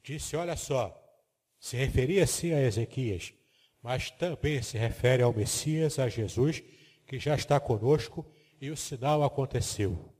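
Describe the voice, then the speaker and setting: A man's voice: mid-range voice, a little slow, a little mellow, breathy edge. Didactic man in a hall. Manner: didactic, explains terms step by step, asks the listener to confirm. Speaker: Bible teacher. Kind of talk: biblical teaching lecture with slides.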